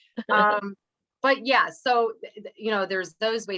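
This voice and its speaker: Her accent is American as this woman speaks. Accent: slight accent, once likened to New York. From Northeast Ohio. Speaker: workshop presenter. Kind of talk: training workshop. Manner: fast; conversational, hesitant fillers.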